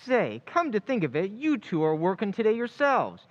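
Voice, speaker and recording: A man's voice: high-pitched, wildly swooping pitch, moderate pace, dull audio. A man playing a naive, grumbling little bartender in an old-time radio play, slangy and put-upon. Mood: earnest, grumbling.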